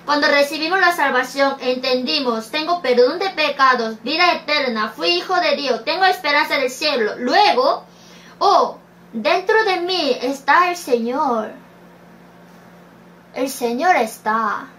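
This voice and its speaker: Woman giving a sermon, high voice, talks real slow, reads verses and asks questions back. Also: animated, a bit bright. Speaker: preacher.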